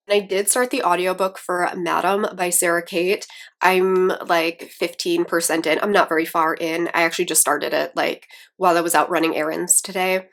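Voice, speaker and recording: A woman book vlogger chatting casually about her reading, a little raspy and rambling with fillers. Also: fairly low pitch. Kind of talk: casual chat.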